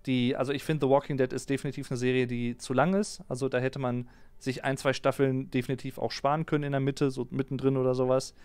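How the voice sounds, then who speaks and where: Smooth-voiced man chatting on a live stream. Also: medium pitch, quick pace, no room sound. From Germany. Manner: relaxed, chatty, reads out viewer comments. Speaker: streamer reading and answering live chat. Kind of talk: casual live-stream chat. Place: small home streaming room. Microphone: close desk mic on a boom arm.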